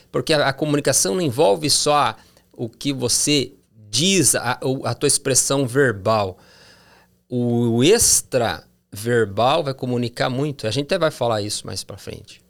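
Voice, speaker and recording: A man talking casually about communication in a Christian talk show, animated and acting out quoted voices. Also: normal speed, creaky. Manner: animated, acts out quoted voices with big pitch jumps.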